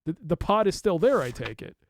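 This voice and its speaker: Male streamer, casual let's play commentary, animated, a touch high-pitched. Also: brisk, gravelly. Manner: animated, reads notes aloud and laughs at the game.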